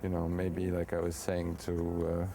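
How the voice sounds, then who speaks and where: Easygoing American man with a low voice. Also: completely flat delivery, normal speed, crowd noise. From United States. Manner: easygoing, rambling, with many fillers and restarts. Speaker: interview guest. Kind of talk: casual documentary interview.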